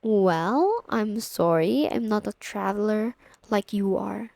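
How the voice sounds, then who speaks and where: A woman's voice: medium pitch, expressive, slow, gravelly, a little mellow, dry recording, studio quality. A young woman playing a friend's teasing, bossy older sister in an intimate ASMR audio roleplay, casual and lightly exasperated. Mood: weary, grumbling.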